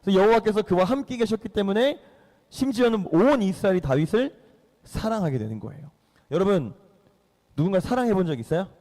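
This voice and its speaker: A man's voice: high-pitched, lively intonation, fairly quick, warm tone, in a large hall. A man teaching children a Bible lesson in a church, playfully quizzing them as he goes. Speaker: youth pastor teaching children. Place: church hall.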